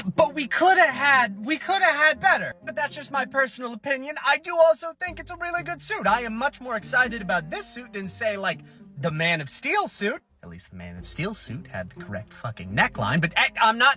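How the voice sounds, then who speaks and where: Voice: mid-range voice, pushed and bright. A content creator giving casual, opinionated commentary with sarcastic asides.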